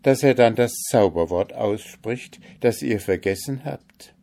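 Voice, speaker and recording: A sorrowful owl, really a young princess under a spell, speaks in a lifted, plaintive voice, as a male narrator puts her on. She sounds mournful and unhurried. It is a storybook reading. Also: lowish voice, lively intonation, gravelly, mellow, voice pushed up. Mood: earnest pleading. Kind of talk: audiobook character voice.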